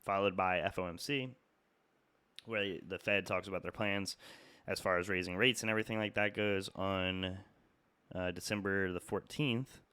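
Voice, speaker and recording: A man's voice: low-pitched, steady tone, moderate pace, bright, forceful tone, clear, resonant tone, no echo. A young man with a stuffy, congested nose from a cold, casually talking through stock charts with lots of fillers and restarts. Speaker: market analysis YouTuber. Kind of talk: casual trading chart talk.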